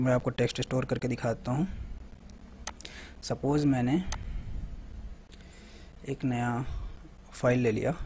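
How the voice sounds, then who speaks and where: A man hosting a tech tutorial, talking casually through a software demo and often checking in with the viewer. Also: medium pitch, slight background noise. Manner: conversational, repeats "theek hai" often. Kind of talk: screen-recorded software walkthrough.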